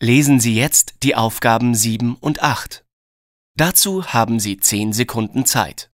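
A man giving scripted test instructions in a neutral, measured manner. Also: mid-range voice, no echo, clean studio sound. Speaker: exam narrator.

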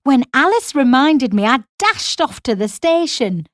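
A woman's voice: high-pitched, very animated, measured pace, fairly bright tone, no room sound, studio quality, exaggerated voice. A woman playing a chatty storyteller, recounting a scripted personal anecdote. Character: chatty woman recounting her own mistake.

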